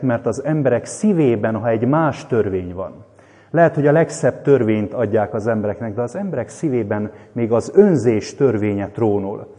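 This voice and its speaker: A man's voice: fairly low pitch, dark tone. A male preacher giving an earnest, explanatory sermon commentary. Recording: long hall reverb.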